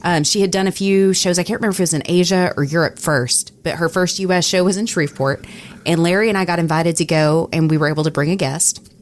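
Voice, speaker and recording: An American woman with a fairly low voice tells anecdotes in a casual podcast chat. There is faint noise in the background of the recording. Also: steady tone, fast talker. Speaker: podcast co-host and radio personality.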